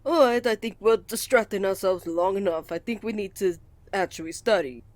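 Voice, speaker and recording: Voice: mid-range voice, normal speed, no room sound, lightly acted. A voice actor playing a shy, flustered male college student in love, stammering, earnest and courteous, in a romantic ASMR roleplay. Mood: teasing, affectionate. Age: young adult.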